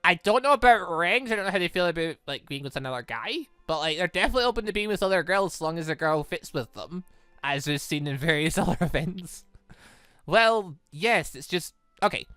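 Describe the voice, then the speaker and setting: A gaming channel host with a clean, mid-range voice talks a little fast through a visual novel playthrough, casual and rambling. Animated, he exclaims, drifts into asides, and reads bits of dialogue aloud over a dry recording with faint music behind.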